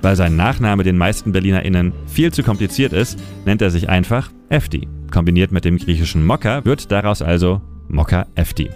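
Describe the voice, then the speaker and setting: A man reading a scripted history feature in a measured storytelling manner. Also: sits low, animated, a little mellow. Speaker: narrator. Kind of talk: scripted documentary narration. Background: music.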